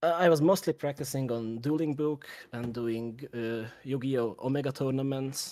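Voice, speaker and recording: With a Hungarian accent, a man speaks at a medium pitch and a moderate pace. His tone is dark and mellow, with ordinary pitch variation. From Slovakia, Hungarian minority. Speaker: card game national champion. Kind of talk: interview. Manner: halting.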